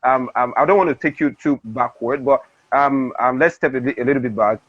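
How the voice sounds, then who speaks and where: A man's voice: medium pitch, a little fast, husky, no echo. A man with a Nigerian accent hosting an interview, talking to viewers with hesitant fillers. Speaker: interview host. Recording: dry, dull lo-fi sound.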